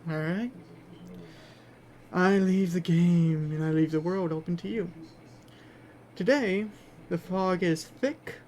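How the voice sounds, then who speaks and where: A man acting as game master in a tabletop game, improvising narration in a halting way as he searches for words. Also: high-pitched, a little mellow. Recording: faint background noise.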